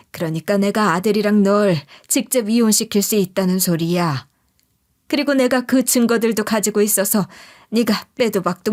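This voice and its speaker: Woman narrator as older mother-in-law, stern, commanding, scornful, mid-pitched, audio drama. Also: a little mellow, natural voice.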